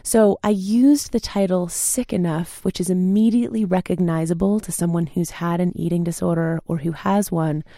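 A woman's voice: on the low side, fairly even intonation, normal speed, few pauses, mellow, no room sound. A woman doctor being interviewed in a studio, speaking articulately and explaining her points. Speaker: physician, author guest.

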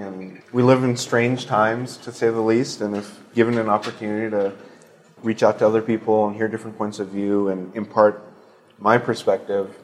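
A man from California's Bay Area, talking openly and at length in an interview. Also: lowish voice. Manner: talkative and open. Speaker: guest. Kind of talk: conversational interview.

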